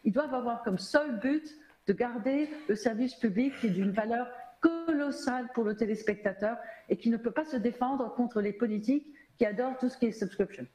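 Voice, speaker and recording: A woman's voice: a little high, a little fast, warm tone, reverberant, low-quality recording. An American-born woman, a media analyst on a panel, talking emphatically with many restarts and words mixed in. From United States. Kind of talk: panel discussion. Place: auditorium stage.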